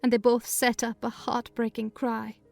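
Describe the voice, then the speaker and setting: A woman narrating a dramatized audiobook reading in a measured storytelling manner. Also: fairly high pitch, level tone, gravelly, darkish tone, no echo, faint music behind.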